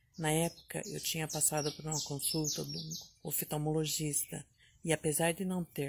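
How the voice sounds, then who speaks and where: A woman talks with a very deep, low pitch and a somewhat breathy quality. Her moderate pace pairs with monotone, flat intonation. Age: 50s. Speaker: retiree giving customer testimonial. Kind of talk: testimony. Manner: slightly halting. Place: garden. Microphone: phone near.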